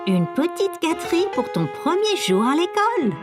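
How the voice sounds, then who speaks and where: A gentle cartoon mom, high and melodic as she encourages her little boy. Her delivery is animated and motherly, with clear music underneath. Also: moderate pace. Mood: gentle, encouraging. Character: caring, gentle young mother of a preschool boy. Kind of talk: French-dubbed children's cartoon acting. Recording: music behind the voice.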